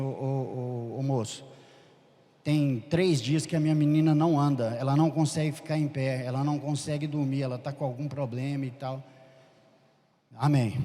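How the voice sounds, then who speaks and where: A man giving a testimony at a church meeting, telling his story with lively quoted dialogue and fervent feeling. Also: medium pitch. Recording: long hall reverb.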